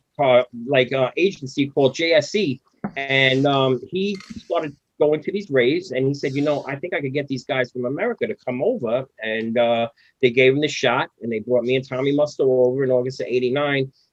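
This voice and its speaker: Here a man speaks at a fairly quick pace, his medium pitch showing ordinary variation. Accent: Brooklyn. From Brooklyn, New York. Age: 50s. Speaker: DJ and producer. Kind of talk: casual interview chat.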